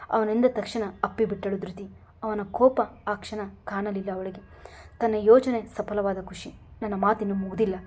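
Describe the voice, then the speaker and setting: A woman narrating a romantic story, voicing every character herself and singing some lines slowly. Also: medium pitch. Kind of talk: scripted story narration with voiced dialogue.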